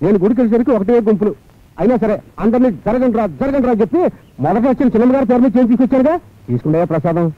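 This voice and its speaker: A talkative young servant who flatters nonstop in a high, rapid voice. The sound is thin and phone-like, with film music underneath. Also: male voice, no echo. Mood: flattering. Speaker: film hero. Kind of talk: Telugu film dialogue.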